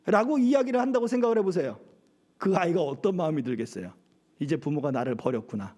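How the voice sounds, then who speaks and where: A man's voice: a little high, expressive, fast, darkish tone. A middle-aged male pastor preaching a sermon at a church service, often asking the congregation rhetorical questions.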